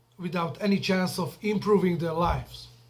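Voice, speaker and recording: This man's voice is high-pitched. It rises and falls in an ordinary way. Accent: non-native. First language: not English. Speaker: YouTuber. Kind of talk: angry rant. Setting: small room. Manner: halting.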